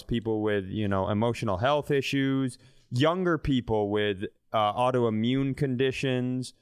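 A male podcast host with a crisp, resonant voice at a middling pitch, recorded very dry. He chats informally and casually, swearing now and then. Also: dry recording. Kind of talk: casual chat.

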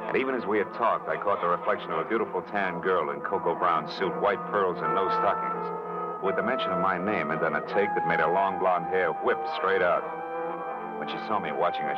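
A hard-boiled American private detective, played by a man in a vintage radio drama. The voice is low and wry, with tough, clipped delivery. The recording is dull and aged, with prominent music behind it. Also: natural voice. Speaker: lead actor and narrator. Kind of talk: 1940s-50s radio noir narration and acting.

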